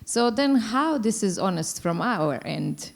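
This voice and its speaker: A woman's voice: medium pitch, very animated, a little slow, creaky. A woman speaking on a discussion panel, thoughtful and hesitant, with many fillers. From Croatia. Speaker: panelist, dance company director.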